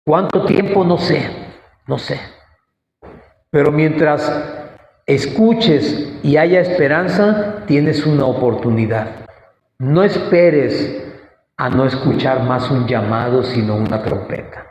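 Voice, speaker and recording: A man preaching a sermon and leading prayer, fervent and unhurried, with long pauses. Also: medium pitch, a little mellow. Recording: echoey hall with faint noise.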